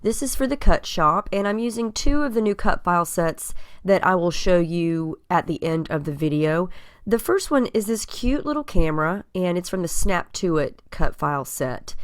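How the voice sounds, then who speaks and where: Woman, low voice, a bit scratchy from a cold, relaxed chatty craft narration, lots of ums. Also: normal speed, smooth. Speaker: scrapbook crafter. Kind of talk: casual voice-over narrating a craft process video.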